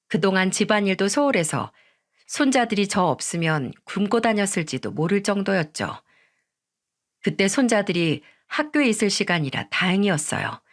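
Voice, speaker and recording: A woman reading a radio-style story in the first person, at a middle pitch and an even pace. Her delivery is steady and a little plaintive. It stays plain scripted storytelling. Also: moderate pace. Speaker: narrator.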